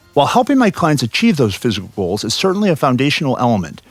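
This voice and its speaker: With music playing behind him, a man speaks in a fairly high voice whose pitch swings very widely. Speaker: life coach. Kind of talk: podcast intro to camera.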